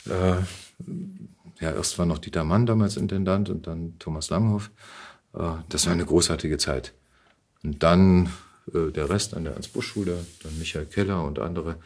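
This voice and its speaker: A man in his fifties telling stories casually in an interview, thoughtful and halting as he searches for words. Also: low voice, a little mellow. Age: 50s. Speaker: actor and podcast guest.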